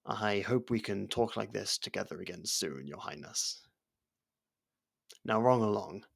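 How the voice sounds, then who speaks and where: A man playing a loyal servant and close friend to royalty in an ASMR roleplay, hesitant, deferential and familiar, gently teasing. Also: fairly low pitch, animated, a little slow, vocal fry, husky, full character voice. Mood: worried, resigned. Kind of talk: ASMR roleplay audio drama.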